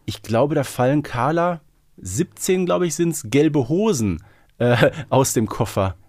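A man's voice: on the high side, lively intonation, measured pace, a little mellow, no echo, studio quality. A man co-hosting a podcast, talking casually and loosely with frequent tag questions. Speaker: podcast co-host. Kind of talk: casual conversational podcast discussion.

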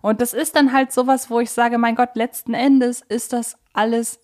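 A woman's voice: a little high, little pitch movement, moderate pace, darkish tone. A woman hosting a casual podcast discussion, chatty and rambling, often correcting herself mid-thought. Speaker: podcast host. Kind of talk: casual podcast discussion of an audio drama series.

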